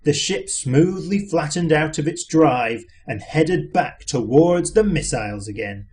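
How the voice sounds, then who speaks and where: A man's voice: on the high side, animated, unhurried, darkish tone. A man narrating an audiobook as an amateur reader, in scripted storytelling style.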